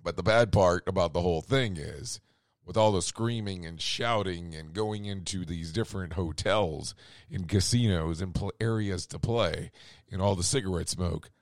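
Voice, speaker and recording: A man hosts a radio talk show while his voice is going hoarse. His low voice sounds dry and close. He rambles through the news, corrects himself often and drops sarcastic asides. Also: moderate pace, no echo. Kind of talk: casual news commentary.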